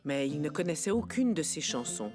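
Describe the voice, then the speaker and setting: A woman narrating a children's cartoon in a calm, clear storytelling tone. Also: sits low, normal speed. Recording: studio narration with music bed.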